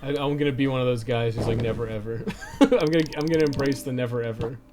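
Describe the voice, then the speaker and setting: A man's voice: medium pitch, fast talker, background noise. A man chatting casually and informally, with some swearing, as he livestreams a video game. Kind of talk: casual chat while playing a game. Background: game music.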